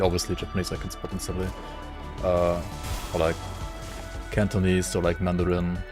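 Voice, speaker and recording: A man streaming a game, chatting casually and rambling with his viewers as he thinks aloud. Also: sits low. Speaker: gaming livestreamer. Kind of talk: casual chat with viewers while gaming.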